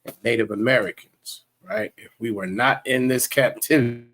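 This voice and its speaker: A man's voice: mid-range voice, normal speed, a bit bright, low-quality recording. A man teaching a livestreamed religious class, in a preachy, repetitive way with many fillers and restarts.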